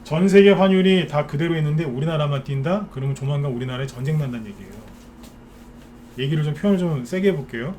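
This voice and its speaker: A man's voice: fairly high pitch, fast talker, darkish tone, slight background noise. A man giving a live stock market lecture, ranting bluntly and firing rhetorical questions at his viewers.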